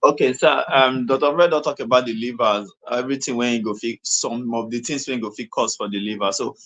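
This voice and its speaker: A man with a Nigerian accent, a doctor giving an informal medical explanation in a halting, repetitive way with questioning tags. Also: mid-range voice, fairly even intonation, fairly bright tone, low-quality recording. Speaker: doctor, guest speaker.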